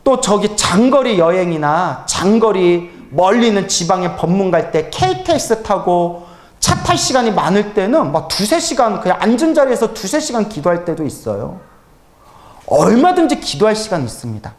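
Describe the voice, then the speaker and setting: Male monk lecturer, animated storyteller who acts out both sides of a talk, recorded in an echoey temple hall. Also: high-pitched, moderate pace. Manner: lively storytelling, acts out dialogue, laughs often. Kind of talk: humorous dharma lecture. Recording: roomy hall.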